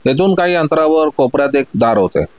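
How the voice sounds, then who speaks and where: A man narrating a story in a steady, measured scripted delivery. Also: fairly high pitch, no room sound, lo-fi sound.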